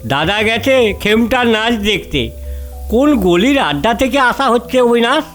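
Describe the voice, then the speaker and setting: An actor playing a scoffing, disbelieving gossip in an audio story drama. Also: male voice, very high voice, expressive, measured pace, fairly bright tone, soft background music, heavily acted. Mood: mocking disbelief.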